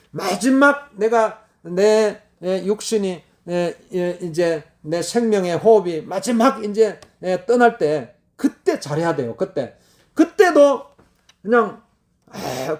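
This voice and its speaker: A middle-aged man preaching a sermon, repeating key words and breaking into sudden loud exclamations. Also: high voice. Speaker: pastor.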